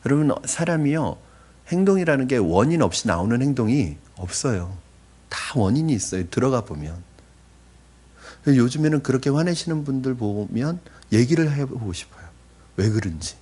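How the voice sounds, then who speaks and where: A man's voice: medium pitch, very animated, normal speed, husky. A man preaching a conversational sermon as pastor, often asking the congregation questions. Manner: acts out polite apologies in a softened voice.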